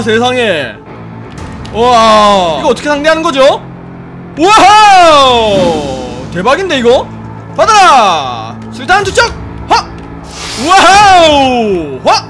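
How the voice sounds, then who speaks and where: A man giving playful, jokey commentary while playing a game, talking to the characters and bursting into loud excited exclamations, with game music behind him. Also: extremely high pitch. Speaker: game streamer. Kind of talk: casual gameplay commentary.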